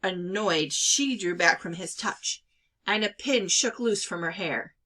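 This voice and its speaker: A woman reading a children's novel aloud as an expressive storyteller. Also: medium pitch, measured pace. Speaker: storybook reader.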